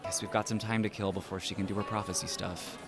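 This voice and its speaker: A man's voice: lowish voice, fairly even intonation, fast, over music, crowd noise, natural voice. A man playing a blunt, laid-back diner customer in a casual audio drama. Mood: wry. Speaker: podcast drama performer.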